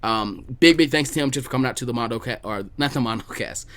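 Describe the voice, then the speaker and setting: A man's voice: medium pitch, fast, a bit bright. A man hosting a podcast in casual conversation, informal and repeating words for emphasis. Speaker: podcast host.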